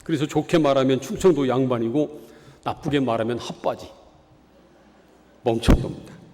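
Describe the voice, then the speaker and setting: A man's voice: mid-range voice, moderate pace, dark tone. A man from the Chungcheong region preaching a sermon as pastor, earnest, with rhetorical questions to the congregation. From Chungcheong, South Korea. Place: church sanctuary. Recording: long reverb of a church hall.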